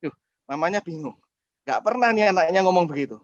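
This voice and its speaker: A man's voice: sits high, fairly quick, dry recording, muffled recording. A man, a pastor, teaching a sermon in a webinar, telling stories and addressing the congregation directly. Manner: lively storyteller addressing the congregation.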